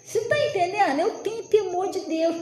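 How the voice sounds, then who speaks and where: A woman's voice: very high-pitched, brisk, darkish tone, roomy sound. A woman in her late thirties giving an informal, chatty sermon, often turning to address her listeners directly. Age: 30s. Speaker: preacher.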